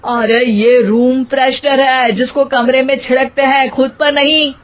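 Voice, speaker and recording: A woman's voice: sits high, little pitch movement, measured pace. A woman voicing a bossy, exasperated middle-aged mother-in-law in a cartoon, scolding and exclaiming. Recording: tinny phone-like audio.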